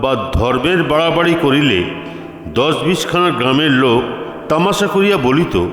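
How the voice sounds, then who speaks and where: A man reading a literary story as narrator, with formal, deliberate phrasing. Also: on the high side, expressive, fairly bright tone. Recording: echoey, long reverb, music behind. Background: music.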